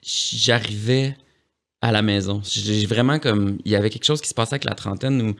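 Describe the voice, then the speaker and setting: Gravelly-voiced man with a Quebec accent. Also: fairly low pitch, a bit bright. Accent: Quebec French. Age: 30s. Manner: rambling, halting, lots of fillers and restarts. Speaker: podcast guest. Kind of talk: casual conversation. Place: studio.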